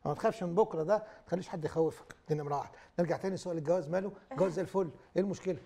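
Older Egyptian man, gravelly, quick and reassuring TV guest. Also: sits high, mellow. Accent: Egyptian Arabic. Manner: jovial, reassuring, rapid. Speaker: guest speaker, doctor. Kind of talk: live studio talk show.

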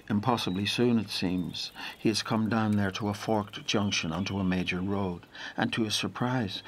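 Guy acting a storyteller for an audio drama, lowish voice, brooding and lyrical, really measured. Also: slight background noise, natural voice. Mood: evocative. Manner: measured, lyrical, deliberate phrasing. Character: brooding male storyteller of a boy's lonely journey. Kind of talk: literary audio drama narration.

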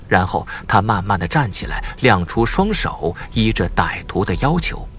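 A male audiobook narrator tells a suspense story dramatically. His voice is on the low side and moves around with lively intonation, over background music. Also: moderate pace.

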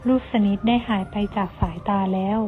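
A woman reading a storybook aloud in Thai, lively, shifting her voice for the characters. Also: brisk. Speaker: audiobook reader. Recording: tinny phone-like sound with faint music.

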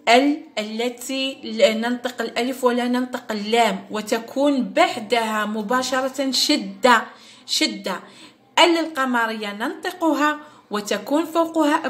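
A woman teacher with an Algerian Arabic accent, patiently explaining an exam to young pupils and repeating each word slowly for them. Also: a little high. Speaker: primary school teacher. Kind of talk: lesson explaining a first-grade exam. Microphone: recorded at her device, screen-share style.

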